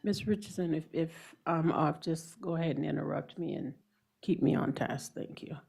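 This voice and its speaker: Congested lady running a board meeting, low gravelly voice, kinda dark and husky. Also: normal speed. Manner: polite, procedural, apologetic. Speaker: school board president chairing a meeting. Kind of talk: chairing a public meeting. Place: public board meeting room.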